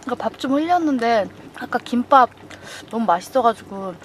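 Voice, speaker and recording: A woman's voice: on the high side, lively intonation, normal speed, slight background noise. A woman chatting casually as a solo camping vlogger, half to herself and half to viewers, in an informal way. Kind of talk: casual vlog chat. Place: campsite, outdoors and in a tent.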